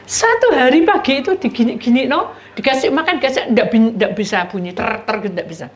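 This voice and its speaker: A woman's voice: sits high, fast talker. A middle-aged woman pastor, preaching a sermon and telling personal stories, acting out the voices of the people in them. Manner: lively storytelling, acts out voices of neighbors and God, addresses listeners as saudara.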